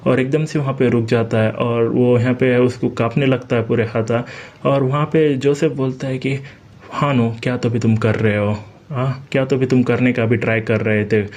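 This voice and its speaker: A man's voice: mid-range voice, steady tone, moderate pace, a little mellow. A man with an Indian Hindi accent recapping a manhwa story in casual Hindi, reading every character's lines in his own plain voice with frequent fillers.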